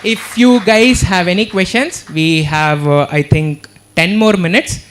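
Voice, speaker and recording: A man with an Indian English accent lecturing students. His voice sits high for a man, and he talks with earnest energy. He keeps tossing checks back to the listeners as he goes. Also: measured pace, crowd noise, background noise. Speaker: motivational speaker. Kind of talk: motivational talk to students. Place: university auditorium.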